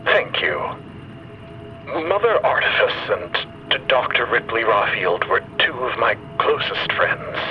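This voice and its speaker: Slow, grieving, earnest machine crewmate. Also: male voice, mid-range voice, big pitch swings, dull audio, faint music behind. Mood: solemn tribute. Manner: halting, earnest, formal. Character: gentle, grieving machine crewmate with bellows, eulogizing friends. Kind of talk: solemn eulogy in audio drama.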